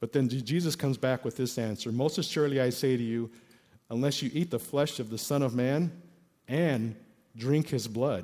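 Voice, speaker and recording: A dark, mellow tone with ordinary pitch variation, on a very clean recording with a silent background. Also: man. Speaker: pastor. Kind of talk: sermon. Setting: church. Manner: fast talker.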